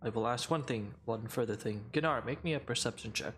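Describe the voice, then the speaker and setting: A man running a tabletop game as game master, narrating scenes in a measured, descriptive way. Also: medium pitch, fairly bright tone, a little hiss or hum.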